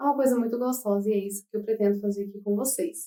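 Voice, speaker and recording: At a very fast pace, a woman with a medium pitch speaks in a dark, mellow tone. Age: 20s. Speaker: online course instructor, psychology student. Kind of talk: course introduction to camera.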